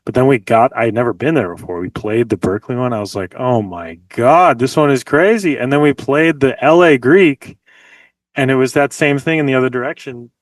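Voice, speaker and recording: A man's voice: mid-range voice, fairly quick, no room sound. A man from the US, a guest musician talking casually over a video call and filling his sentences with "like". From Los Angeles, United States. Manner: chatty, leans heavily on "like" fillers. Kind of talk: casual interview chat. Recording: dry, slightly distant mic.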